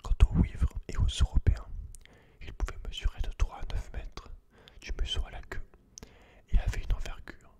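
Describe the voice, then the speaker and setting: A man whispering breathily as an ASMR host, reading aloud and chatting informally to the listener. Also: moderate pace. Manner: informal, addresses the listener directly as a friend.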